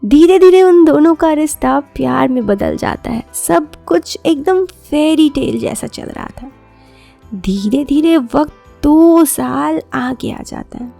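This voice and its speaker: A woman's voice: high-pitched, expressive, takes it slowly, vocal fry, warm tone, faint music behind. A woman narrating a scripted romantic story as a podcast storyteller.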